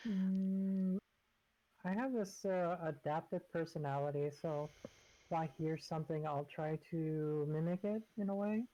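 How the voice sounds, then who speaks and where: A trans woman with a low, mellow voice, talking in a soft, measured way as a guest on a stream. The audio is slightly muffled. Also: no echo. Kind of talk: casual Q&A chat.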